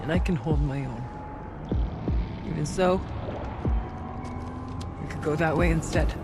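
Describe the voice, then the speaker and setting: A woman's voice: low-pitched, unhurried. An actress playing a devout, proud tribal shaman woman in a video game, with solemn, formal phrasing. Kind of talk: dramatic video game cutscene acting. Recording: music behind the voice. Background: music.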